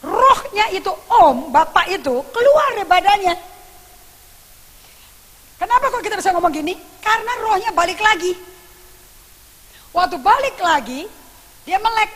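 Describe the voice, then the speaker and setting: A woman pastor, preaching a sermon and telling a story in an animated way, acting out what people said. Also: extremely high pitch, normal speed, long pauses. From Indonesia. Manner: animated storytelling with acted quotes. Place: church. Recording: long reverb church hall with faint hiss.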